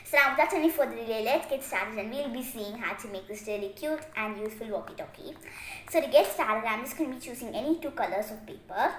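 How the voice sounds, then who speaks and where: A woman with a fairly high voice guides listeners through craft steps in a chatty, instructive way. She often repeats her instructions. The room is clearly echoey, with faint noise behind her. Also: animated, fast talker. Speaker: craft tutorial host. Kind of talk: step-by-step craft tutorial narration.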